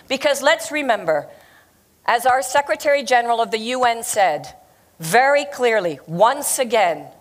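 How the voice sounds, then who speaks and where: A woman's voice: on the high side, expressive, moderate pace. A woman from Belgium with an American accent, giving a conference speech full of impassioned rhetorical questions. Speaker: panel speaker.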